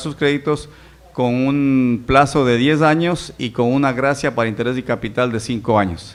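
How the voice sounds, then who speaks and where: With ordinary pitch variation, a man keeps a moderate pace and a medium pitch. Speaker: agricultural association engineer speaking at seminar. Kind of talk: Q&A session after talk. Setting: seminar with audience.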